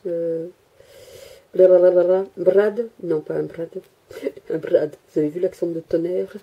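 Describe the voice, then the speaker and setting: A woman films her handmade miniature workshop and chats about it, rambling, hesitating frequently and making jokes at herself. Her voice is lowish and fairly even, and she takes her time. Captured by her handheld camera's mic, the recording is muffled.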